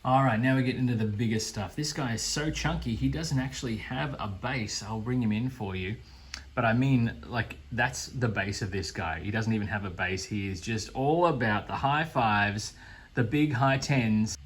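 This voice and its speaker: A man's voice: mid-range voice, normal speed, a little hiss or hum. An Australian man gushing with enthusiasm as he unboxes a board game, speaking casually. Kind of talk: unboxing commentary.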